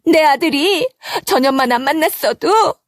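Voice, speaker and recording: A woman narrator voicing a nagging older mother-in-law who scolds and blames in a shrill, high voice. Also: expressive, moderate pace, dry recording, clean studio sound. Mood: wailing, blaming.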